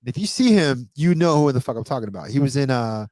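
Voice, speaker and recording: A man telling a rambling, profane party story as a podcast guest, in a casual animated way. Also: medium pitch, fast, no room sound.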